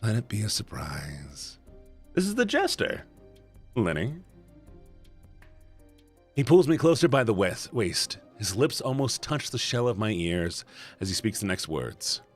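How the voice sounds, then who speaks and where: A man streaming a story game, reading the text aloud and chatting playfully with his viewers in an animated way. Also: medium pitch, unhurried, pauses often, soft background music. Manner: animated, playful, shouting at times. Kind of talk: reading a visual novel aloud to chat.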